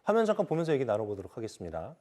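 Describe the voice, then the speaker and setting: A man hosting a live current-affairs panel show, reading poll figures in a clear, even announcer delivery and questioning his guests. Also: medium pitch, rapid-fire. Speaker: news talk show host. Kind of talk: broadcast panel moderation.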